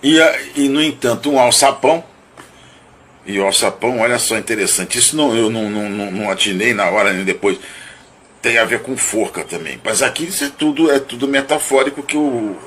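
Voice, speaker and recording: Bright-toned, halting man musing aloud. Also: mid-range voice, a little hiss or hum. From Brazil (Rio de Janeiro). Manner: halting and searching, with many restarts and repeated words; thoughtful, hedging, self-analytical. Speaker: narrator recounting and analyzing his own dream. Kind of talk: reflective spoken monologue.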